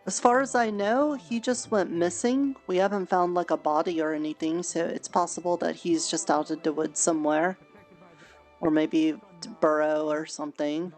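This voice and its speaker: A woman's voice: on the low side, fairly even intonation, moderate pace, darkish tone, soft background music. A woman roleplaying a farmer in an online virtual world, talking casually in character with a hesitant, reassuring manner and many restarts. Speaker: roleplay player running a farm.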